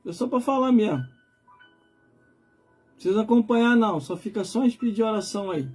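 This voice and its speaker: A man's voice: sits high, expressive, brisk, darkish tone, breathy edge, faint music behind. A man in his forties with a Brazilian accent, preaching informally on a livestream in an emphatic, colloquial way, repeating phrases for effect. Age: 40s. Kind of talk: informal live sermon.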